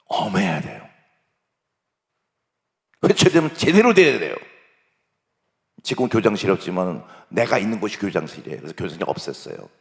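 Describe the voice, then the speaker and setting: An older male pastor in his sixties preaches a sermon with a gravelly, creaky voice. His pitch leaps high and drops low, swinging between forceful declarations and hushed near-whispers, and his voice rings with the long reverb of a church hall. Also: very animated, normal speed, pauses often. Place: church sanctuary.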